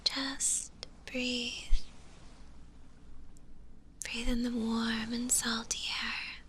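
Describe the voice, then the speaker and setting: A woman voicing a gentle, lonely stitched-together zombie girl in a whispered ASMR roleplay, with a soft breathy voice and tender, hesitant delivery. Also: fairly high pitch, little pitch movement, slight background noise, rough recording. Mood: soothing, tender. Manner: slow, hesitant, tender delivery with long pauses.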